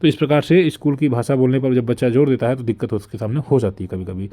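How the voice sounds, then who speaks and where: A young man with a medium-pitched, mellow voice talks fast through an online lecture on language teaching. He explains step by step, constantly checking in with fillers like "dekhiye" and "theek hai."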